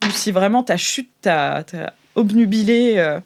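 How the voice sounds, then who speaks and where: A woman with a mid-pitched voice acts as game master for an improvised tabletop story. She narrates casually and playfully, with informal, colloquial phrasing. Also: animated, a little slow, a little mellow, slight background noise.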